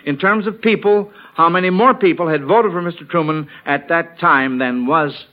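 A man hosting an old-time radio quiz show, reading questions deliberately and moving contestants along politely and encouragingly. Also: on the high side, faint music behind. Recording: dull, band-limited 1940s radio recording.

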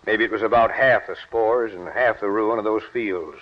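A man's voice: lowish voice, moderate pace, close to an everyday voice. An actor playing a weary middle-aged wheat farmer talking to his son in a 1940s radio play, with plain country grammar. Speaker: farmer and father. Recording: muffled old radio recording.

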